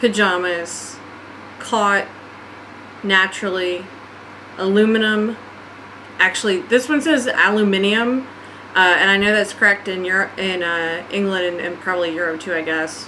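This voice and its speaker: At a moderate pace and with long, frequent pauses, a woman speaks with a slight Southern US accent over noticeable background noise. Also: medium pitch for a woman, ordinary pitch variation. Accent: mild Southern US. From North Carolina, USA. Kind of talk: casual talk to camera.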